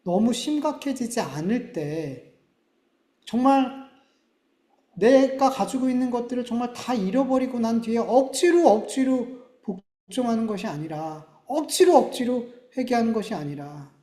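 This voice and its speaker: A man's voice: high voice, dark tone. A man in his thirties preaching a sermon as pastor, earnest and conversational, rising to dramatic emphasis. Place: church sanctuary. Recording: echoey church room.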